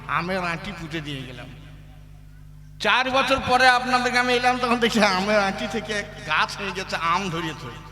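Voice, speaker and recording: A man's voice: high-pitched, pushed and bright. A man performing kobigaan, a folk poet-singer who moves between sung verses and spoken argument, putting questions straight to the audience. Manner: declaiming, swinging between sung lines and argument to the crowd. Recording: echoey hall, music behind.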